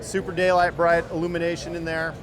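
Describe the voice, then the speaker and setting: A man's voice: on the high side, monotone, a little fast, over music. A man working as a company rep, explaining products in an enthusiastic demo. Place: busy indoor trade show floor.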